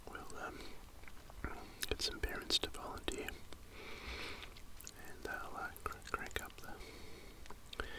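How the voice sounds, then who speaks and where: Noticeable background noise sits behind a man whispering in a relaxed tone. He goes at a very slow pace. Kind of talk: ASMR eating and whispering video. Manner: whispered; relaxed, hesitant, conversational.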